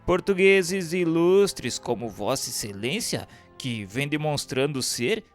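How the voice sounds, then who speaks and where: A man's voice: a little high, very animated, slow pace. An actor playing a sardonic dead man who recounts his afterlife in theatrical, literary radio novel style. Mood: mocking. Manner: theatrical, mocking, literary diction. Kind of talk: dramatized first-person radio novel narration. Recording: long hall reverb, music underneath.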